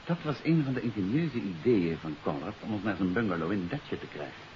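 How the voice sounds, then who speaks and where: An actor playing a confident detective who explains a case in an assured, emphatic way, in 1950s radio drama style. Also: male voice, sits low, expressive, a little fast, darkish tone. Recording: dull, hissy 1950s radio recording.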